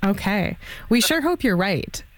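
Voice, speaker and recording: A woman's voice: medium pitch, big pitch swings, unhurried, low-quality recording. A woman hosting a live radio interview. She is upbeat and chatty and laughs easily. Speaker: radio host.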